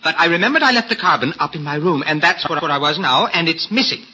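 A man's voice: a little high, lively intonation, fast talker, bright, forceful tone. An actor playing a flustered middle-aged organizer, anxious and stumbling over his words, in 1940s radio drama style. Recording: dull lo-fi old radio recording with faint hiss.

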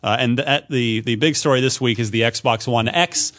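A man hosting a casual video game news discussion, often repeating words as he thinks out loud. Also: medium pitch, normal speed. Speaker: podcast host.

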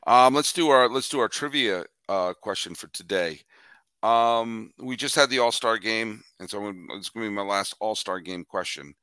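Man, podcast host, casual chat, bright tone, close dry mic. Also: fairly low pitch, moderate pace, clean tone, no echo. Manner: animated, repeats words while thinking.

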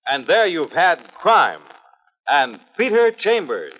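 A man's voice: a little high, huge pitch swings, slow pace, slightly rough. A man reading the closing credits as a 1950s radio announcer in a formal style. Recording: dull old radio transcription with music.

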